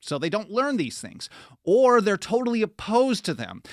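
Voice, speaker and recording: A man speaks with very wide pitch swings. The recording is very clean and dry, close with no echo and a silent background. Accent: American. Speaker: political podcast host. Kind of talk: solo podcast monologue.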